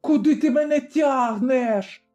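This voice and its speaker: A man putting on a vicious innkeeper woman who shrieks threats in a coarse, high voice. The storybook reading has a soft, mellow tone and sounds a little dull, with faint music underneath. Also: very slow. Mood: terrified. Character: furious middle-aged female innkeeper, cruel and shrill.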